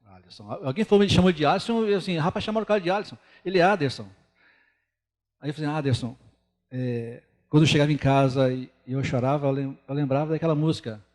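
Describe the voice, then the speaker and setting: High-voiced Brazilian man preaching, hall reverb. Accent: Brazilian Portuguese. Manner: earnest, conversational preaching with pauses. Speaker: lay preacher. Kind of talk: sermon. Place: church.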